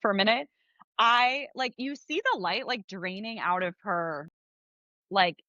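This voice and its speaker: A woman from California's San Fernando Valley with a Valley girl accent and vocal fry, chatting casually and bluntly. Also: mid-range voice, measured pace, sharp tone, dry recording, dull audio. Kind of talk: casual chat.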